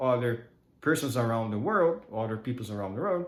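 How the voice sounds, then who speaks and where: A man with a Brazilian accent is heard with audible room echo. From Brazil, countryside of São Paulo state. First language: Brazilian Portuguese. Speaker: YouTuber, English learner. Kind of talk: personal monologue to camera. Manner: halting, many repetitions and fillers.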